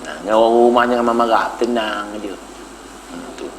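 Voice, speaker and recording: A man with a Malaysian Malay accent preaching a humorous sermon, telling stories with sudden high-pitched punchlines and laughing at his own jokes. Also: normal speed, slight background noise. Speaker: Islamic preacher. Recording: echoey hall, faint background ambience.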